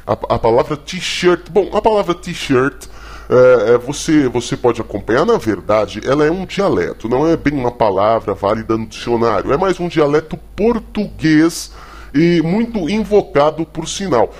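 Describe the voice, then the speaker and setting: A man with a Brazilian accent hosting a comedy call-in lesson as a mock teacher, halting and stammering over his explanations. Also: a little high, lively intonation, a little mellow. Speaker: host playing a mock English teacher.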